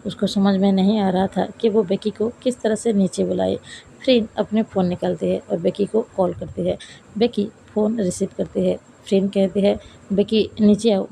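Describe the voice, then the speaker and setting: A woman narrates a romance story at a steady, even pace, with a gravelly texture. Her tone is mellow and dark. A faint hiss sits behind the voice. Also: mid-range voice, low-quality recording. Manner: steady, plain retelling with dialogue read aloud.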